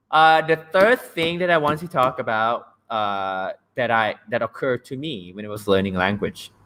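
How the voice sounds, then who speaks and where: Speaking at a measured pace in a medium-pitched, slightly bright voice, a young man from Thailand with a Thai accent hosts a casual livestream on language learning. He comes across as blunt and joking, often checking in with "right?".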